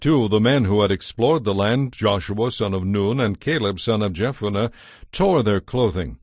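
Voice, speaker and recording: A man narrating a dramatized audio Bible with measured, solemn scripted delivery. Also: fairly low pitch, animated, a little mellow, no echo, studio quality.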